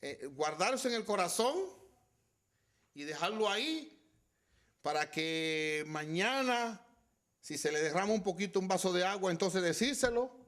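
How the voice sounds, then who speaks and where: A middle-aged man preaching a sermon as pastor, swinging between loud exhortation and quiet storytelling and addressing the congregation as brothers. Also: on the high side.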